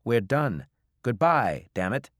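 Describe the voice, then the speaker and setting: A man's voice: mid-range voice, sing-song, slow pace, fairly bright tone, no room sound, studio quality, pitched above the performer's own voice. A man voicing a roguish alien trader captain, cheeky and breezy, in an audiobook. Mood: exasperated. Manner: glib, breezy.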